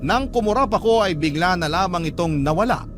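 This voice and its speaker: A man's voice: high-pitched, animated, fairly quick, a bit bright, slight background noise. A man narrating a first-person ghost story in an earnest, confessional way. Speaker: narrator reading a listener's story. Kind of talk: scripted dramatic narration. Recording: music clearly underneath.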